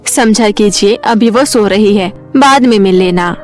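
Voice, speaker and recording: A woman's voice: medium pitch, a little slow, faint music behind, pitched below the performer's own voice, natural voice. A woman voicing a scheming, bossy aunt in a storybook tale, with a sly, wheedling and domineering manner. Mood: dismissive.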